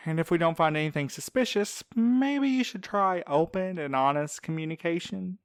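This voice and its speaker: A man acts out a sarcastic, good-hearted male coworker in an audio drama. His smooth voice sits a little high and tosses out teasing quips. The sound is close and dry. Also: normal speed, no echo, lightly acted. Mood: wry, skeptical. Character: wry, teasing, supportive male friend and coworker. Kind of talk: fiction podcast audio drama acting.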